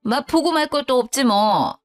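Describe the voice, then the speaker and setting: A woman's voice: sits high, expressive, normal speed, faint music behind, pitched above the performer's own voice. A woman voicing a grumbling, self-pitying widowed mother-in-law who speaks curtly. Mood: indignant. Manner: curt, self-pitying, sighing.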